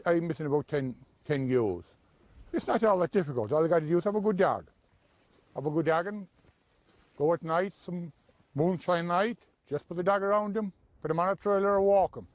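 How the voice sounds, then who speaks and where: A man's voice: high voice, a little fast, no room sound. A man who farms sheep, speaking in a heavy Kerry Irish accent, rambling and hard to follow in a news interview. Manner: heavy rural dialect, rambling. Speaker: sheep farmer.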